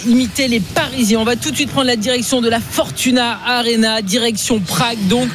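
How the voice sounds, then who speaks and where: A woman's voice: a little high, fairly even intonation, a little fast, background noise. A woman hosting a live football broadcast, addressing her co-presenters and correspondents. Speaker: radio sports show host.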